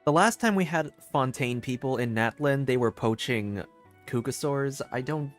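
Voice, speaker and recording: A man's voice: medium pitch, normal speed. A man giving casual, rambling live commentary as a game streamer, hesitant and often repeating phrases. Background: game music.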